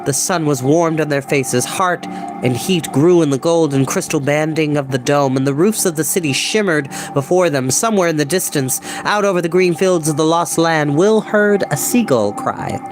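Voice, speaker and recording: Male storytime reader, fairly high voice, deliberate narration with dramatic pauses, soft music bed. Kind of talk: storybook narration, read aloud.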